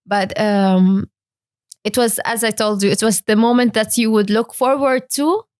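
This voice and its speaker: Young woman from Syria, interview guest, halting delivery, dry sound. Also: on the high side, fairly even intonation, darkish tone, dry recording. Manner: hesitant, many fillers and restarts. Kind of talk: interview talk.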